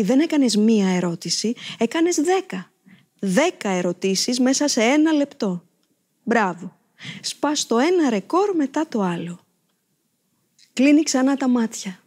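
An actress reading a short story aloud on stage, telling it in the first person with expressive, theatrical delivery. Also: female voice, fairly high pitch. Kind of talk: dramatic literary reading.

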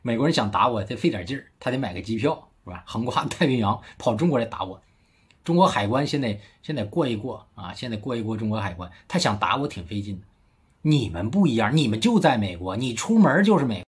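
A man's voice: mid-range voice, sing-song, quick pace, breathy edge. A man from China giving a casual political commentary monologue as a vlogger, emphatic and mocking, full of rhetorical tag questions. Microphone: phone.

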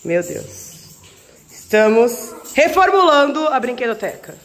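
A woman's voice: a little high, big pitch swings, a little slow. A woman in her thirties with a Brazilian Portuguese accent, chatting affectionately and exclaiming through a casual family vlog. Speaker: family vlogger and mother.

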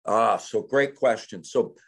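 A man in his sixties with a fairly low voice speaks as a podcast guest over a video call. He explains his ideas in an easygoing way. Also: a little slow, soft background music. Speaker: guest professor. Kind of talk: interview answers.

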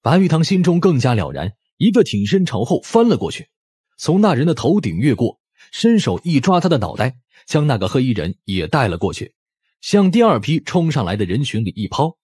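A man's voice: mid-range voice, big pitch swings, a little fast, a little mellow, breathy edge, no echo, clean studio sound. A man reading scripted audiobook narration in a dramatic storytelling style.

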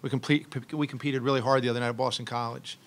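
A middle-aged man coaching a college basketball team fields questions after a game. He talks into a table mic in a press room, pausing, restarting and filling gaps with ums as he works out his answers. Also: medium pitch, fairly even intonation. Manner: halting, many restarts and ums, thoughtful. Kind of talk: postgame press conference. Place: press room with logo backdrop, seated at table. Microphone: table mic on stand.

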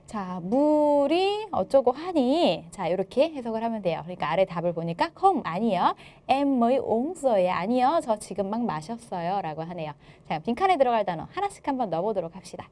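Lively woman teacher with a mellow voice. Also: a little high, normal speed, few pauses. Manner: lively, playful, jokes with students. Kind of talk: exam explanation lecture.

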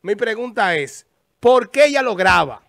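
A man's voice: high voice, very animated, unhurried, creaky, a bit bright. A Dominican man on a talk show panel, arguing and pressing the same question again and again. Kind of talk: heated studio debate.

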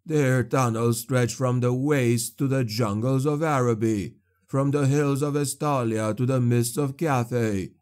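A man voicing a broken old male sorcerer, locked in a cage, speaking slowly with a wheezing sneer. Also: medium pitch, steady tone, darkish tone, lightly acted. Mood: mocking. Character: broken old male sorcerer, caged, mocking then fawning.

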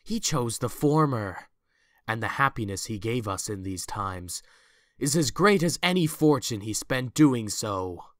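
A man's voice: mid-range voice, lively intonation, unhurried, fairly bright tone, no room sound, clean studio sound. A man playing a regretful, anguished businessman in a fan audio drama, earnest and hesitant.

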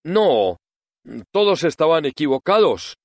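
A man's voice: on the high side, very animated, unhurried, a little mellow, no room sound, pitched above the performer's own voice. A man voicing a timid, bald old male wizard who is a fraud, speaking in a shaky, pleading voice. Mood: trembling pleading. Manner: trembling, pleading voice.

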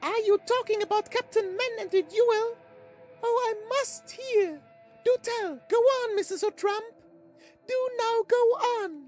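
A woman's voice: very high-pitched, measured pace, a little mellow, soft background music. A woman playing an affected, exclamatory society gossip in a comic period story. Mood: eager, gushing. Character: chattering society gossips at cards and dances.

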